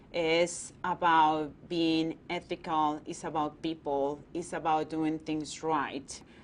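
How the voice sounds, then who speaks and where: A woman with a non-native accent speaks very slowly in a very deep, low pitch, her intonation monotone and flat, with hardly any pauses. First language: not English. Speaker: accountant and auditor. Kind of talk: interview testimony.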